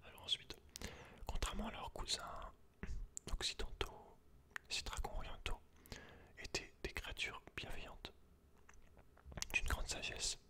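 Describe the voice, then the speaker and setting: A man speaks in a breathy, unvoiced whisper, informal and close to the listener, as in an ASMR reading. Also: unhurried, pauses often, bright, forceful tone. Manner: informal, slangy, talks directly to one listener. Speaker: ASMR creator. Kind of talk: whispered ASMR, casual commentary and reading aloud from a book.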